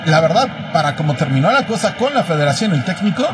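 A man's voice: a little high, sing-song, fast, noisy background. A man giving conversational analysis as co-commentator on a live soccer broadcast.

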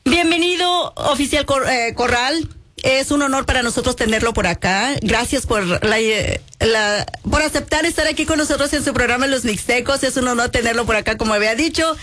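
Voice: high voice, a little fast, pushed and bright. A radio show host interviewing a guest, switching between Spanish and an indigenous language.

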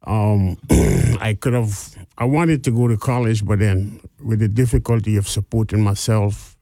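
A Guyanese-accented man in his sixties talks haltingly, full of ums and restarts. His voice sits low and sounds dark and mellow, recorded close and dry. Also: fairly even intonation, dry recording. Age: 60s. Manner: hesitant, many fillers and restarts. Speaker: guest business owner. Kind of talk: interview.

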